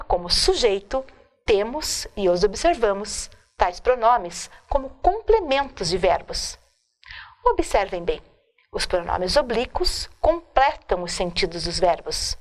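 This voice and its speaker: A woman teacher giving a recorded grammar lesson, slowly and deliberately listing examples one by one at a board. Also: on the high side. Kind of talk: video lecture on grammar.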